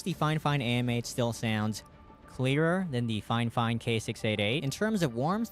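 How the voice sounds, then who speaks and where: A man giving a clear, explanatory scripted microphone review. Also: mid-range voice.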